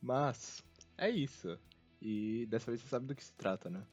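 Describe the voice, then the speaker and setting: A man's voice: medium pitch, normal speed, a little mellow. Wry Brazilian man hosting, slightly muffled sound. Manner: wry, self-mocking. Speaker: podcast host. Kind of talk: casual humorous anime podcast chat. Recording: dull lo-fi sound, music behind.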